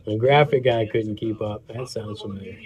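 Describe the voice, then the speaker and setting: A man's voice: lowish voice, normal speed, a little mellow, highs cut off. A man in his thirties, a fill-in radio host who has been losing his voice, chatting casually and joking between segments. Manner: joking, throat-clearing, banter about baseball. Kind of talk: casual off-air chat during a live stream.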